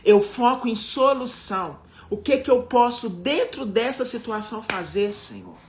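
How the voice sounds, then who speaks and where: A woman's voice: fairly high pitch, big pitch swings, unhurried, slight background noise. Fervent woman preaching a live sermon. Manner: fervent, repetitive, exhorting. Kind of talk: live-streamed sermon and prayer.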